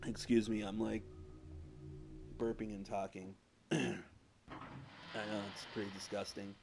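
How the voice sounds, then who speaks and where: A man's voice: lowish voice, level tone, takes it slowly, gravelly, a little mellow, soft background music. A man streaming a video game, rambling casually with lots of "like" and swearing over a console streaming mic. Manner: rambling and crude, heavy use of "like" and swearing. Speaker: gameplay streamer. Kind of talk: casual let's-play commentary. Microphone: PS4 streaming mic. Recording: noisy home stream audio.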